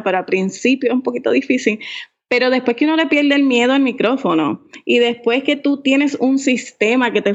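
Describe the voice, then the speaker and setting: Laughing woman, slightly muffled audio. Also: on the high side. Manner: laughs often, chatty and self-mocking; mixes in English words. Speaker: podcaster guest. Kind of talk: casual interview chat.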